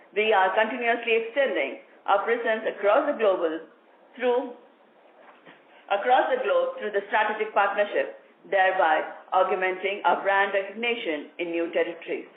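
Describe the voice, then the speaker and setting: A woman with an Indian accent formally reading a prepared corporate presentation as a company executive over a conference call. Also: mid-range voice. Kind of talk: scripted earnings call presentation. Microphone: phone or conference line. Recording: phone-like conference line, roomy echo, faint noise.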